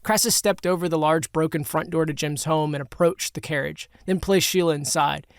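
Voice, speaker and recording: Male audiobook narrator, slightly high voice, steady storytelling, dry close recording. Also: normal speed, clear, resonant tone, no room sound.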